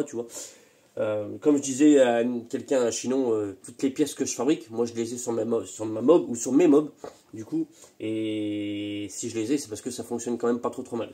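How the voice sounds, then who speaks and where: A man's voice: mid-range voice, mellow. A man with a slight cold, hosting a casual workshop vlog, talking in a rambling way full of hesitations and repeated words. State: still a bit congested from a cold. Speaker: moped engine tuner and channel host.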